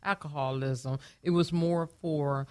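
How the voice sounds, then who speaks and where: A woman from Chicago co-hosting a radio talk show, lively and colloquial. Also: low voice, unhurried, smooth. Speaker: co-host and author.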